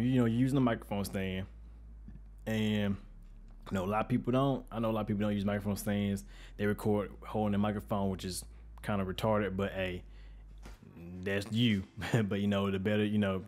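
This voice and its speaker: Deep-voiced man giving a casual tutorial. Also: level tone, brisk, a little mellow. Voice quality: deep, bassy voice. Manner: casual, conversational, slangy. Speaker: music production tutorial host. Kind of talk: informal spoken tutorial. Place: untreated home studio room with reflection filter. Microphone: studio microphone with pop filter, close up.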